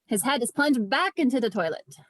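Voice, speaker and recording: A woman's voice: fairly high pitch, animated, a little fast, a bit bright, no room sound. A woman narrating scripted stage directions at a table read. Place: indoors, remote online read.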